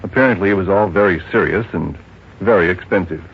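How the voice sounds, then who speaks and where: An actor playing a discreet but gossipy small-town jeweler in a 1950s radio drama, explaining things in a measured, confidential way. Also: male voice, sits low. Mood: earnest, discreet. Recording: dull old radio recording, faint noise.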